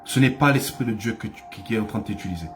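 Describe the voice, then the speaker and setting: A man's voice: on the low side, expressive, quick pace, over music. A man preaching a sermon as pastor, with impassioned delivery that rises to cries and repeats phrases for emphasis.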